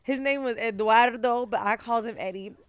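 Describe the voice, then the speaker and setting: A woman co-hosting a podcast in casual chat, animated and playful with quick interjections. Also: on the high side, no room sound. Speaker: podcast co-host.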